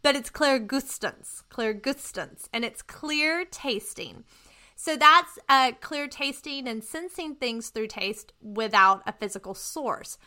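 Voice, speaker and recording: Woman, Texas accent, high voice, bright tone, casual podcast chat, eager. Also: animated, takes it slowly. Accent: Texan. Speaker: podcast co-host.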